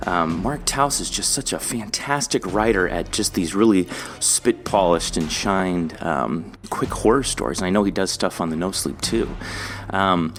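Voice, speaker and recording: A man with a low voice hosts an interview podcast. He talks in a conversational, enthusiastic way as he puts questions to his guest. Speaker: podcast host.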